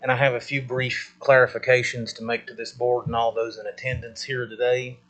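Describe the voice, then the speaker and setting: A man giving a prepared public statement at a meeting, measured and formal as he lists his points one by one. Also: mid-range voice, level tone, a bit bright, low-quality recording. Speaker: public commenter at a school board meeting.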